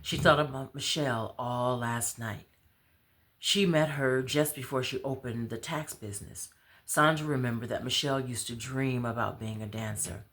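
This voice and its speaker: A woman storyteller reading her own fiction aloud in an expressive narrative style. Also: very deep voice, normal speed. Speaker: author and storyteller.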